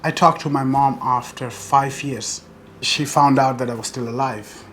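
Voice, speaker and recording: A man's voice: medium pitch, fairly even intonation, unhurried, fairly bright tone, a little hiss or hum. A man from Afghanistan, a professional bodybuilder, telling his life story in an earnest, determined interview monologue.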